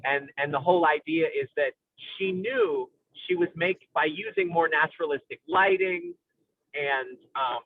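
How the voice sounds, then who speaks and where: Higher-voiced man, tinny phone-like sound. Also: measured pace. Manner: intellectual, academic vocabulary. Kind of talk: analytical film discussion, conversational.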